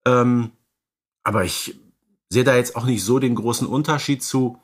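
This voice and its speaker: A middle-aged man talks as a podcast co-host. His voice is medium-pitched, and his delivery is casual and easygoing. He hesitates a little and often qualifies his statements. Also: moderate pace, husky. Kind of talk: casual conversational podcast chat.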